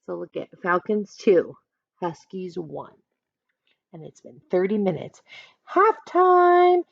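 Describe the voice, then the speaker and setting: A woman's voice: fairly low pitch, measured pace, gravelly, husky, no echo, muffled recording. A woman teacher reading a picture book aloud expressively, adding instructive asides and questions for listeners.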